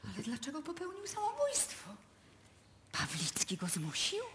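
An actress playing a distressed, disbelieving widow with a husky voice in a radio play. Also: female voice, high voice, wildly swooping pitch, normal speed, background noise, heavily acted. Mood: shaken disbelief. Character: distressed, disbelieving widow of a small-town mayor. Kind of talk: live radio drama acting in Polish. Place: radio music studio, performed live before an audience.

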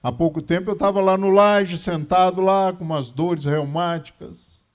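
A man in his fifties from Minas Gerais, Brazil, lectures on religion at a Spiritist centre, speaking with a Brazilian accent in a small indoor meeting room. His voice is high and steady, his pace moderate, and his style didactic yet conversational, repeating key phrases for emphasis.

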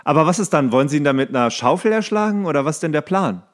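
A man's voice: fairly high pitch, lively intonation, very fast. A man chatting casually as a podcast host, making joking running commentary on a show he is watching.

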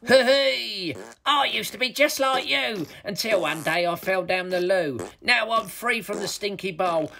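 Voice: medium pitch, bright, forceful tone, slight background noise, voice pushed up, full character voice. A storybook narrator voicing a mischievous, slimy male toilet troll villain who sneers, giggles and taunts.

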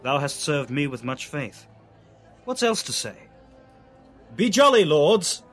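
An actor playing a proud, hearty Roman commander in a Shakespearean audio drama, declaiming with authority. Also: male voice, fairly high pitch, big pitch swings, slow pace, a bit bright, soft background music, heavily acted. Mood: wary, then boisterous.

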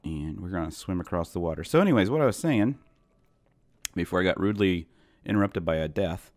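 A man in his thirties who hosts a gaming channel rambles casually to viewers during a Minecraft let's play, a bit sick and going hoarse. His voice sits low and expressive, slightly fast and mellow, and he's self-deprecating. The recording is clean studio sound with no room echo.

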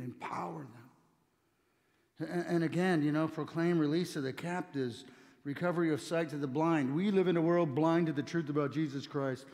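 A middle-aged pastor preaches from a church stage beside a communion table, earnest and conversational, frequently restarting his words. His voice is on the high side and a little mellow, with long hall reverb around it.

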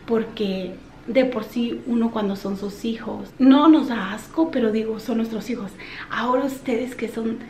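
Chatty woman vlogger in an echoey room. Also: medium pitch. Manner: animated, chatty, talks straight to viewers. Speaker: mom vlogger. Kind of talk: casual storytelling vlog. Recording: echoey room with faint noise.

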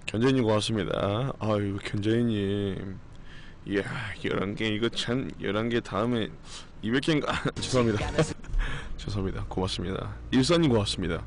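A man's voice: fairly low pitch, normal speed, a little hiss or hum. A man on a live stream with a strained, recovering voice, chatting in a rambling way with viewers, blunt and swearing now and then. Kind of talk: casual live-stream chat.

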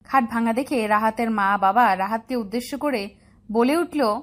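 Brief: female storyteller, slightly high voice, steady scripted narration. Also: moderate pace.

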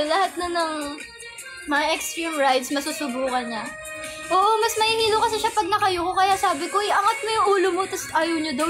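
A young woman with a very high, girlish voice chats casually on a livestream, rambling through a story and giggling often. Music plays clearly behind her as she talks. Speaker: livestream host. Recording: music playing in the background. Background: background music.

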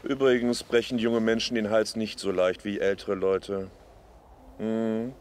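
An actor playing a shrewd middle-aged horse dealer in a radio play, commanding and hesitant with hums. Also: male voice, lowish voice, flat delivery, measured pace, a little mellow, slight background noise, close to an everyday voice. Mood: businesslike. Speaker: horse trader.

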